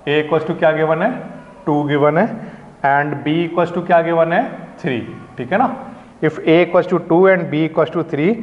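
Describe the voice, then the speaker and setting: Brief: male tutor, slightly high voice, patient step-by-step explainer, roomy lo-fi phone-like sound. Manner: patient, repeats "ठीक है ना" to check understanding; calls students "प्यारे बच्चों" affectionately. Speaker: maths teacher. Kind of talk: online maths lesson.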